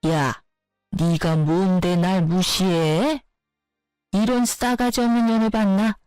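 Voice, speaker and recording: A woman's voice: mid-range voice, steady tone, takes it slowly, a little mellow, clear, resonant tone, no room sound, faint music behind, close to an everyday voice, rough recording. A woman voicing a domineering, insulting older mother-in-law who scolds with contempt, in a narrated story. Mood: yelling.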